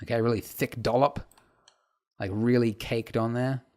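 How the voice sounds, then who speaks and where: A man teaching a casual software tutorial over his screen, chatty and full of fillers and asides. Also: mid-range voice, fairly even intonation, moderate pace. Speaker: tutorial instructor.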